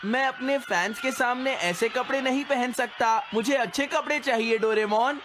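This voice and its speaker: An actor playing a boastful, bullying boy who fancies himself a star singer, in a loud, grandiose cartoon manner. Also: mid-range voice, normal speed, very noisy, natural voice. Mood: vain. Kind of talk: Hindi cartoon dubbing. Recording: loud music and crowd behind.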